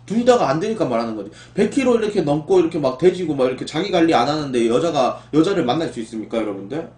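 A young man hosts a casual live stream and talks straight back to his viewers, his pitch rising and falling a lot as he answers them. His voice sits fairly high for a man. The room behind him adds a noticeable echo. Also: sing-song, rapid-fire, darkish tone. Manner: talks back to chat, rising into exasperated outbursts.

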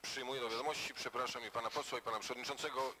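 Male committee questioner, very sharp tone, formal and persistent. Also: mid-range voice, fairly even intonation, rapid-fire, a little hiss or hum, rough recording. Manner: persistent, formal, reads out transcript excerpts. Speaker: committee member questioning a witness. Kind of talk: formal interrogation at a hearing. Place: parliamentary hearing room.

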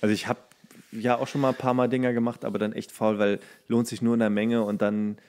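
A man's voice: mid-range voice, little pitch movement, fast, darkish tone. A man hosting a podcast, telling anecdotes in casual, colloquial, comedic chat. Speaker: podcast host.

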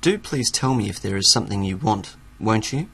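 A man voicing a sly, overly polite cat in a storybook reading, with a husky voice. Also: fairly low pitch, animated, a little fast, fairly bright tone, exaggerated voice. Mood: mock polite.

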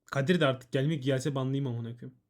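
A man's voice: medium pitch, steady tone, fast talker. Blunt, foul-mouthed male streamer. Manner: blunt and swearing, reading chat messages aloud. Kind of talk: casual profane stream commentary.

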